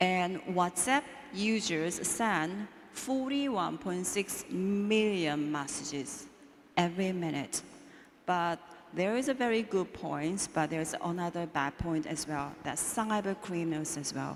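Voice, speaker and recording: A woman talks with a Korean accent at a fairly slow pace. Her intonation is lively. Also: fairly low pitch for a woman. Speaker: conference speaker. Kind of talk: presentation. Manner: halting.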